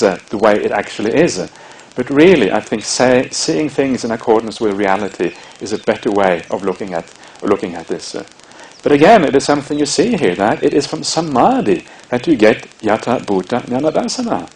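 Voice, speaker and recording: Norwegian-accented monk giving a dharma talk. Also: male voice, medium pitch, darkish tone, rough recording. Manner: measured, explanatory, frequent "uh" fillers. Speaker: Buddhist monk teacher.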